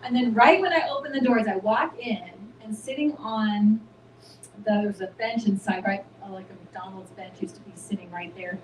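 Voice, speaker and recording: Woman, casual spiritual chat, animated storytelling, echoey, faint hiss. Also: mid-range voice, normal speed. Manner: animated storytelling, acts out her own self-talk. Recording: roomy, distant mic with faint noise.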